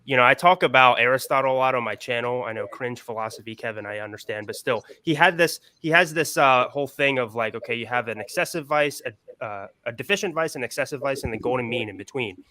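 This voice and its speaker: A man with a bright, ringing voice talks through his ideas on a casual podcast panel. He lays out his points at length and keeps tossing in "right?" to check the others are with him. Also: medium pitch, quick pace, few pauses, no room sound.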